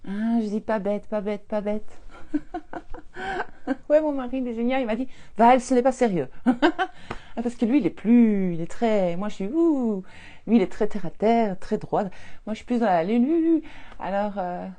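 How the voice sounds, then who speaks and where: A woman in her fifties, a holistic coach, chatting casually on a live stream, telling lively stories and laughing often. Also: fairly high pitch, measured pace, pauses often.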